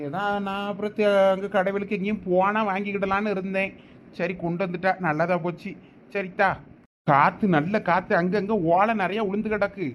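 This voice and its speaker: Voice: mid-range voice, steady tone, moderate pace, a little hiss or hum, natural voice. A performer playing a practical, concerned middle-aged village husband giving chores in a village drama. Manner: plain instructing, concerned.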